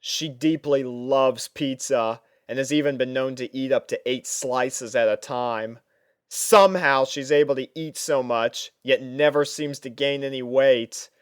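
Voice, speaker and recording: A man narrates a first-person story in a clear, smooth voice with theatrical expression. He plays an exasperated student telling of his home life. His pitch sits in an average range for a man and the sound is dry and close, with no room echo. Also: a little slow. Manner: expressive, theatrical delivery with sighs. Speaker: fan fiction reader.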